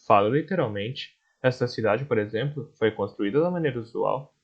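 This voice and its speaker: A man voicing a courteous, clever magician who talks in a polite, measured way. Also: medium pitch, lively intonation, husky, lo-fi sound.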